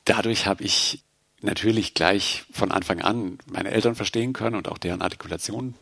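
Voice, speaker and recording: A man from Germany working as a sign language interpreter, calmly explaining terms in an interview with thoughtful pauses. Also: fairly low pitch, vocal fry, breathy edge, no room sound. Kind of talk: interview conversation.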